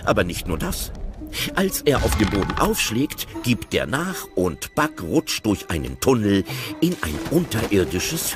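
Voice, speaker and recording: A man narrating an audio play, describing the action in an animated storytelling way. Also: fairly low pitch.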